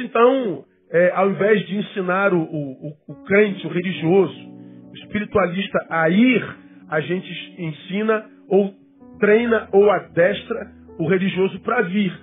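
A fifty-year-old Brazilian pastor with a Rio de Janeiro accent, preaching conversationally to a congregation and repeating words for emphasis. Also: male voice, high voice. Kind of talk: sermon, conversational teaching to a congregation. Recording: thin phone-like sound, guitar music behind.

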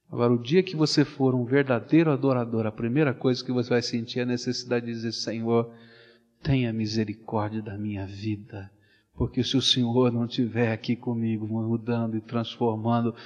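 A man with a Brazilian Portuguese accent preaching a sermon, swinging from loud animated storytelling to hushed, slow pleading. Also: mid-range voice. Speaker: pastor. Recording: dull sound with long hall reverb.

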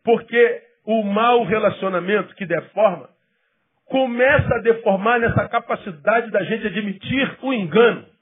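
A male pastor preaches a sermon with a fairly high, husky voice. He leans hard on key phrases, then falls to soft, low asides. The recording is thin and phone-like. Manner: emphatic preaching with sudden drops to quiet, low asides; acts out quoted people in quick bursts.

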